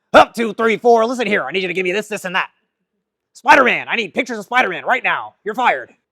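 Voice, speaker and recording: Shouting at a very fast pace in a put-on character voice of fairly high pitch. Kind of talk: barking orders. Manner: angry, shouting.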